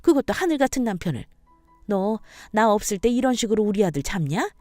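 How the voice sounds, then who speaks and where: A woman's voice: mid-range voice, very animated, brisk, darkish tone, no echo, soft background music, close to an everyday voice. A woman voicing a contemptuous middle-aged mother-in-law who berates and insults her daughter-in-law.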